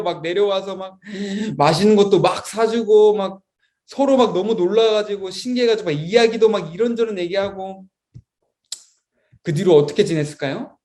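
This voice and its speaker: Man, high-pitched, young, Sunday school teacher, expressive storytelling for kids. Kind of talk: storytelling lesson for children.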